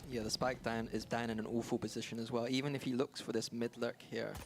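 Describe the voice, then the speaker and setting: A man's voice: mid-range voice, little pitch movement, fast talker, crowd noise. A man giving matter-of-fact analysis as an esports colour commentator.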